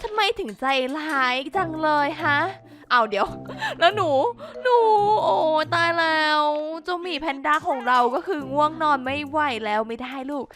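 A woman's voice: high voice, expressive, moderate pace, bright, forceful tone. A woman giving playful game commentary, theatrically scolding characters and talking to her viewers. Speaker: gaming YouTuber. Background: background music.

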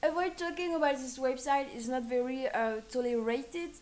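A woman's voice: high voice, fairly even intonation, moderate pace, darkish tone. A woman in her twenties with a French accent, chatting playfully as a live streamer and switching into accented English. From France. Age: 20s. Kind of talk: casual live stream chat.

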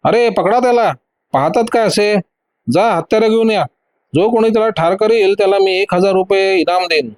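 A man's voice: high voice, expressive, moderate pace, no room sound. A man voicing a ruthless, scheming male gang boss who barks threats and orders in a storybook reading. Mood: barking orders.

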